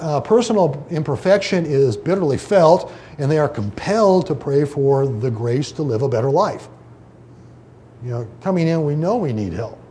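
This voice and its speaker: A man with a fairly high but dark-toned voice teaches scripture informally, chatting loosely with plenty of fillers and restarts and often stopping to read a quoted passage aloud. A slight hiss or hum sits under the recording.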